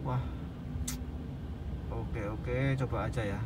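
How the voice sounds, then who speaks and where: A man's voice: on the low side, little pitch movement, slow. A man with a Javanese regional accent chatting casually and informally to viewers as a driver vlogging on the job. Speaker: ride-hailing driver and vlogger. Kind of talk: casual vlog chat while driving. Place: inside a car driving through streets. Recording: clear car and road noise.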